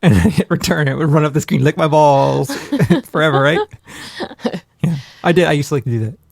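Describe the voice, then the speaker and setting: A man's voice: on the high side, a little fast, creaky, dry recording, studio quality. A man co-hosting a podcast in casual chat, rambling and self-deprecating with jokes. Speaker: podcast co-host.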